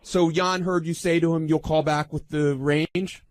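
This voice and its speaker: A man's voice: fairly high pitch, fairly even intonation, measured pace, no echo. A man on a radio panel asking persistent questions in an unscripted debate.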